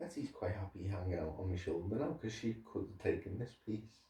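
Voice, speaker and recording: A man speaks quietly at a moderate pace, his pitch fairly low and his intonation lively. His tone is dark and mellow, with a somewhat breathy quality. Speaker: pet owner vlogger. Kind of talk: casual chat to camera. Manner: calm, relaxed.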